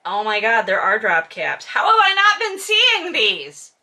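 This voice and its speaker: Speaking at a measured pace, a woman with a slightly high voice swings widely in pitch, sounding pushed and bright. She hosts a novel reading and critique, offering sweary, sarcastic, exasperated book commentary that's casual, comedic, and heavily exaggerated.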